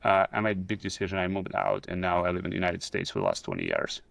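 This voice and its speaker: A man's voice: sits low, big pitch swings, quick pace, vocal fry, fairly bright tone, no echo. A middle-aged man with a Russian accent, a guest on a video call, telling his story in a hesitant way with many fillers and restarts. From Soviet Union. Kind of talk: casual video-call interview. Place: pool house.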